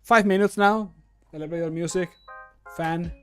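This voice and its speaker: A man's voice: high-pitched, steady tone, moderate pace, a bit bright, soft background music. A man in his thirties chatting casually on a livestream while he works, muttering and poking fun at himself. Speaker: streamer and amateur voice actor. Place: small home room, indoors.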